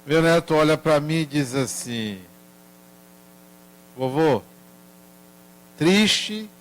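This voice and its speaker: An older man giving a spiritist lecture, telling a family story in a gentle, measured way. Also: on the high side.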